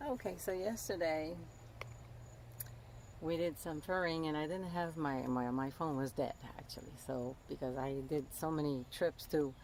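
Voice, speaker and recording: A woman's voice: sits low, fairly even intonation, moderate pace, a little mellow, slight background noise, low-quality recording. A woman from Montreal with a Québécois French accent, a native French speaker, chatting casually as a vlogger and often searching for words and rephrasing. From Montreal, Canada. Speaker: vlogger documenting a van build. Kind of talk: casual vlog chat.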